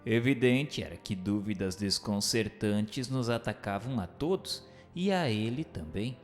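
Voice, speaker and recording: An actor narrating a radio drama as a reflective novelist, in a formal, literary and measured way. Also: male voice, on the low side, animated. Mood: sombre. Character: male first-person narrator, a reflective doomed Portuguese novelist. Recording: long reverb, faint music behind.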